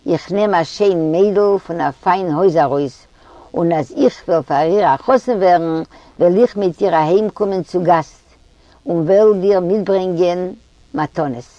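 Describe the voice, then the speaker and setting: A woman voicing a brash, hot-tempered young male thief, blustering and dictating slowly and loudly in an audiobook reading. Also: low voice, no room sound. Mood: boastful. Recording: dull lo-fi audio.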